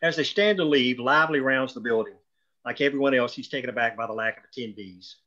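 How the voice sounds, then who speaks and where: A man with a middle-pitched voice reads scripted stage directions for a drama. The recording is a little muffled and lo-fi. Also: fast talker, pushed and bright. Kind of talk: scripted narration.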